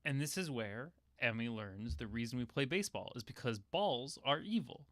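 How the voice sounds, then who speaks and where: A man's voice: mid-range voice, animated, normal speed, fairly bright tone, no room sound, studio quality. A man streaming a casual watch-along, joking, laughing often and getting emotional over the film. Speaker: streamer hosting a watch party.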